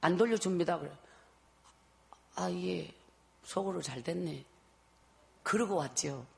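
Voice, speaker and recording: A woman's voice: on the low side, measured pace, vocal fry. Emotional woman. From Guryongpo area, South Korea. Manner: emotional, swings from loud pleading to hushed murmur. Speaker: testimony speaker. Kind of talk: personal faith testimony.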